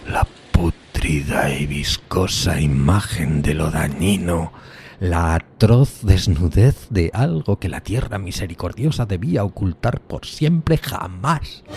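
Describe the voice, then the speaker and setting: A man playing a lonely, horrified undead outcast who tells his tale in a solemn, anguished, theatrical horror audiodrama style, drawing out emphatic words. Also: low voice. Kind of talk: dramatic gothic horror audiodrama narration.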